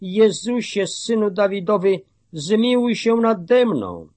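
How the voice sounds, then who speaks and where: A man's voice: fairly high pitch, wildly swooping pitch, very slow, no room sound, exaggerated voice. A man voicing a blind male beggar who cries out, imploring for mercy. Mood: pleading. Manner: crying out, imploring.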